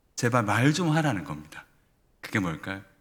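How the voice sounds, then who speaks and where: Over a very clean recording with a silent background, a man talks at a moderate pace. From South Korea, Gimcheon (North Gyeongsang). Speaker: pastor. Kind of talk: sermon. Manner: speeds up when excited.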